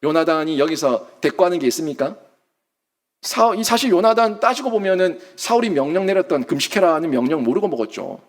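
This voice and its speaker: This sermon comes from a male pastor with a high, widely swinging voice, speaking fairly quickly. His emphatic, animated preaching is full of rhetorical questions aimed at the congregation.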